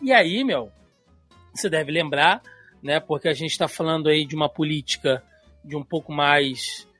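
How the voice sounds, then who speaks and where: A man's voice: on the high side, moderate pace, sharp tone, slightly rough, soft background music. A man in his thirties with a Carioca accent, co-hosting a casual podcast and explaining at length with many fillers. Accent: Carioca Portuguese. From Brazil. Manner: chatty, lots of "né" fillers, tangents. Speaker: podcast co-host.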